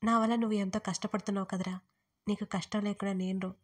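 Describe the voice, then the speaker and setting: A woman voicing a weak, bedridden older father who speaks softly and slowly in a narrated audio story. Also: medium pitch, little pitch movement, husky, lightly acted. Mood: remorseful.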